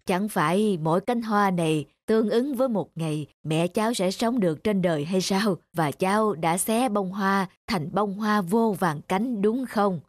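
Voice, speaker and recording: A woman voicing a kind, wise old woman in a cartoon, speaking slowly and soothingly, with music playing underneath. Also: medium pitch, no room sound, pitched below the performer's own voice, close to an everyday voice. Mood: gentle, soothing. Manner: slow, soothing, grandmotherly. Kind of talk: cartoon voice acting.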